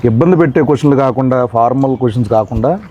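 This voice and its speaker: A man's voice: medium pitch, racing, lo-fi sound, a little hiss or hum. A man hosting a casual, playful interview in a jokey, coaxing way. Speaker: interviewer, show host.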